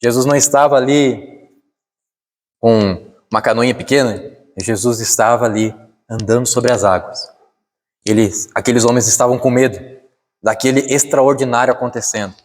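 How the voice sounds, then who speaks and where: A man with a Brazilian Portuguese accent preaching a sermon, dropping to slow, hushed lines and then climbing high and urgent. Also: fairly even intonation, long reverb tail.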